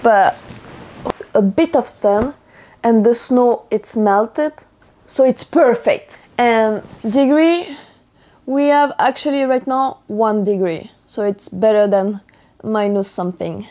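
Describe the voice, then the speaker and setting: Woman, French accent, native French speaker, hoarse morning voice, warm tone, casual chatty vlog. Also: a little high, takes it slowly. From France. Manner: chatty, upbeat, loose non-native phrasing. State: hoarse from just waking up. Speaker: athlete vlogger.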